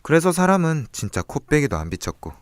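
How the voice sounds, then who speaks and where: A young man playing a cool, calculating character who reveals a crime's secrets in a measured, knowing way in an audio drama. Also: fairly high pitch, big pitch swings, no echo. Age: young adult. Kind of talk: audio drama acting, expository dialogue.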